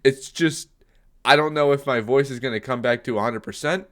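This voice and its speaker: A tired man with a nasal, slightly hoarse voice, giving casual reaction commentary as a video host. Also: mid-range voice, normal speed, fairly bright tone. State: just woke, tired; slightly hoarse voice from shouting at a concert.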